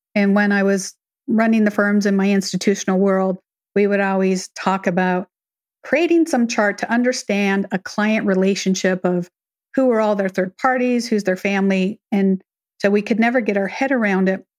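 A woman with an American accent and an unremarkable speaking voice talks at medium pitch and a moderate pace, with fairly even intonation and very even loudness. The sound is dry and close with no echo, on a very clean recording with a silent background. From US West, rural Washington State. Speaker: financial planner. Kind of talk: interview.

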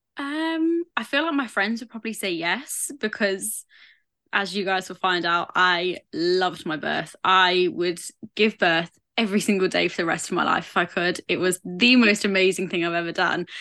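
Against a quiet background, a woman with an English accent speaks at a medium pitch and moderate pace, with ordinary pitch variation and a bright, sharp tone. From England. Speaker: new mother sharing birth story. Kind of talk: casual chat.

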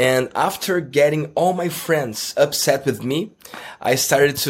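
A man with a Brazilian accent. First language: Portuguese. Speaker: online course mentor. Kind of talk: casual interview chat. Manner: halting, nervous.

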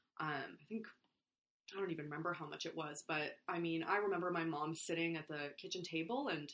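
A woman with a Canadian accent and a plain, everyday voice, fairly low in pitch, at a fairly quick pace. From Canada, born in Bosnia. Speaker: photographer. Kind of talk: casual chat.

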